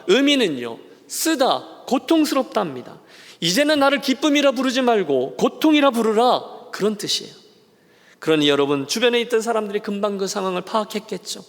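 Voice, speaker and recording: A man preaching a Sunday sermon as a senior pastor, his voice pitched high for a man. He slips into short acted voices of the people in the story. The long reverb of a church sanctuary trails after each phrase. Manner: animated, acts out voices of townspeople and Naomi.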